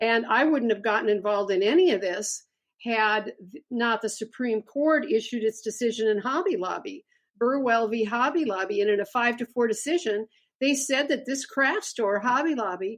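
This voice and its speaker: This woman has an unremarkable speaking voice with an American accent. Her pitch is fairly high with ordinary variation, at a moderate pace. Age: 60s. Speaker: author. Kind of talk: interview.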